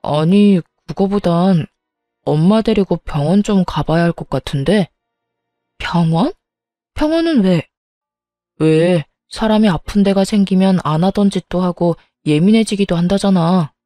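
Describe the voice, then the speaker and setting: A woman's voice: lowish voice, a little slow, warm tone, dry recording, clean studio sound, soft background music, close to an everyday voice. A woman voicing an overworked husband who talks earnestly to his wife in a story reading. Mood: concerned. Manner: earnest, pleading. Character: overworked husband, pleading then worried. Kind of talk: storytelling narration.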